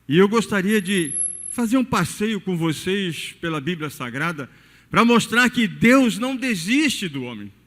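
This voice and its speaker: A high-pitched man preaches a sermon, his voice rising and falling in wide swings as he asks the congregation rhetorical questions. His voice rings out through the long reverb of a large cathedral hall. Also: fairly bright tone. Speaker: pastor. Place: cathedral during evening service.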